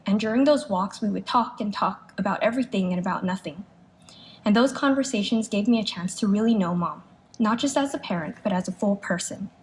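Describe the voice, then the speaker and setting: A woman speaks at a memorial, reading a prepared tribute in the role of a daughter. Her pitch is mid-range for a woman. The live recording carries clear ambient noise behind her. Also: poor audio. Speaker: daughter giving a eulogy. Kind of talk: prepared memorial speech read aloud.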